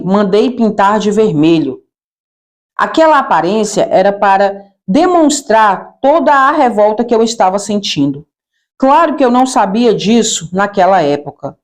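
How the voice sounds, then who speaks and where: A woman's voice: a little high, a little mellow. A woman with a Brazilian accent narrating a church testimony expressively, addressing listeners as brethren. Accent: Brazilian Portuguese.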